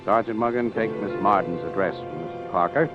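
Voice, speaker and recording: A man's voice: deep voice, a little fast, lightly acted. A man playing a methodical, skeptical police inspector in a 1950s-style radio mystery, with pointed, authoritative questioning. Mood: businesslike. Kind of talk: 1950s detective radio play acting. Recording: dull lo-fi radio drama with music.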